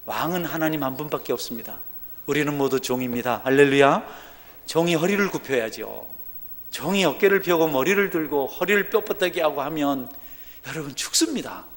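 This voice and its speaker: Male preacher in a church sanctuary, mid-pitched, soft asides building to forceful appeals, long hall echo. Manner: swings from soft, low talk to loud, emphatic exhortation. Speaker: pastor. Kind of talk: sermon.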